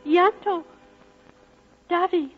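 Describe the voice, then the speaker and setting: A woman's voice: extremely high pitch, extremely slow, exaggerated voice. An actress playing a devoted, fierce Welsh mother in an old radio drama. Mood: overjoyed. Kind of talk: 1940s radio drama acting. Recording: muffled old radio broadcast, faint music.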